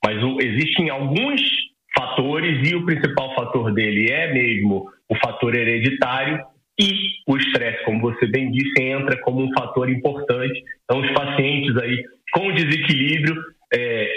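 A man's voice: medium pitch, moderate pace, sharp tone, roomy sound, rough recording. A Brazilian man in his forties, an ophthalmologist explaining things simply with everyday comparisons. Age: 40s. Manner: explains with everyday analogies, adds "tá?" tags. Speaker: ophthalmologist guest. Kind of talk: explaining to a lay audience in a radio interview.

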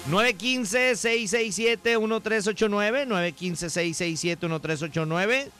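Man, Mexican accent, radio host, playful, joking, bright, faint music behind. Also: high voice, takes it slowly. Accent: Mexican Spanish. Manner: playful, jokey, repeats phone number in sing-song. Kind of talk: lively morning radio chat.

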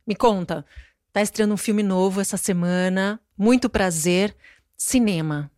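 A woman's voice: mid-range voice, a little slow, a little mellow, no room sound, studio quality. A woman interviewing an actress for a TV channel, asking enthusiastic, admiring questions. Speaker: interviewer, TV presenter.

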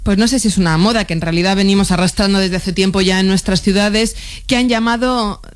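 A woman's voice: medium pitch, fairly quick. A woman hosting a radio talk show in a studio, conversational presenting. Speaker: radio host.

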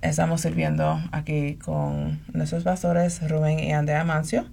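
A young woman in her twenties from the Dominican Republic is a guest on a radio interview. Her voice is very low with a gravelly edge, and she gives short, affirming replies. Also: little pitch movement, unhurried, dark tone. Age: 20s. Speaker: church youth guest.

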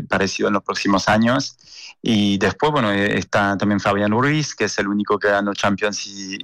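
A man's voice: fairly low pitch, fairly bright tone, clean tone, dry recording. A man in his forties, a sports journalist from France with a mixed French and Argentine accent, answering interview questions with many fillers and repeats. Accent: French and Argentine mix.

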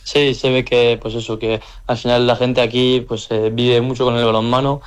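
A young handball player from the Country, answering interview questions casually, with lots of hesitant fillers. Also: male voice, medium pitch, level tone, normal speed, clear, resonant tone. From French Basque Country.

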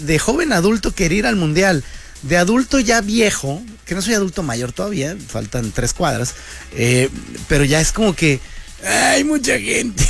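A Mexican man hosts a radio show, delivering a casual comedic monologue full of jokes, slang, and playful banter. His voice is a little high and a bit bright.

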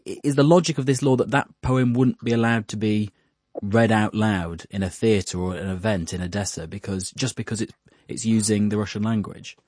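Male presenter, pointed questions, slightly raspy tone, dead-dry studio sound. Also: on the low side, steady tone, moderate pace, darkish tone, dry recording. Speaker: news presenter. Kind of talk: probing interview questions.

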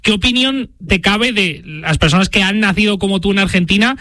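A man's voice: high voice, brisk, bright, forceful tone, no room sound. A man hosting a radio talk show, putting long, probing questions to a caller. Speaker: radio host.

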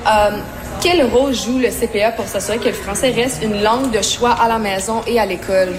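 A woman field reporter asking interview questions, measured, with some fillers. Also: a little high.

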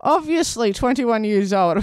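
Australian woman, 30s, community radio host; lively, self-mocking delivery, dry close mic. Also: a little high, unhurried, smooth, dry recording. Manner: playful, self-mocking, laughs often. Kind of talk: community radio chat and weather read. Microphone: studio microphone.

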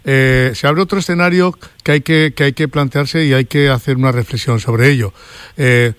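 A man's voice: medium pitch, steady tone, moderate pace, a bit bright, clear, resonant tone, dry recording. A man with an accent from Spain debating sport off the cuff, insistent and often repeating himself. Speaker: football pundit.

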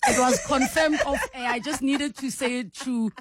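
A woman's voice: high voice, fairly even intonation, moderate pace, slight background noise. A woman hosting a radio interview, effusive, playful and teasing with her guest. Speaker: radio host. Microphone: studio microphone.

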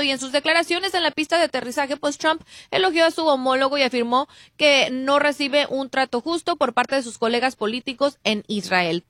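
A woman's voice: a little high, a bit bright, no room sound. A woman, co-hosting a radio show and reading the news in a chatty, bantering way. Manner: conversational, bantering with the host. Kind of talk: comic news segment.

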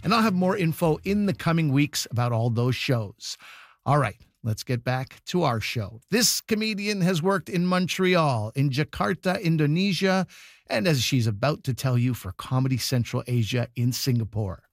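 A man's voice: on the high side, expressive, normal speed, no echo, clean studio sound. A man hosting a comedy show, introducing the comedians and announcing upcoming live recordings in a scripted way. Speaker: radio comedy show host. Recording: voice over background music.

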